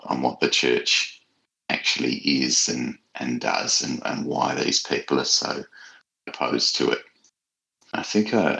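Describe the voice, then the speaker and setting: A man speaking as an author guest in an interview, explaining his ideas in a thoughtful, halting, measured way. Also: very deep voice, gravelly, pushed and bright, low-quality recording.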